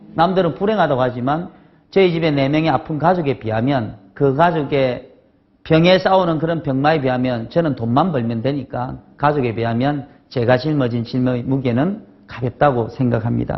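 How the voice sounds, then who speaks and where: Speaking with a strong Gyeongsang accent, a man shows ordinary pitch variation against audible room echo. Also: fairly high pitch for a man, moderate pace. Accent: Gyeongsang dialect, still strong. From South Korea, South Gyeongsang rural village. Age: 40s. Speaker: motivational speaker. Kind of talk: motivational lecture. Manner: animated, interactive with audience.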